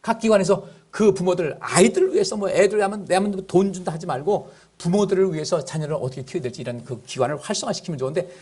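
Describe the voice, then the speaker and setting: Husky man preaching with lively pitch. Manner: conversational preaching, asks the congregation questions. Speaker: pastor. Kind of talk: sermon.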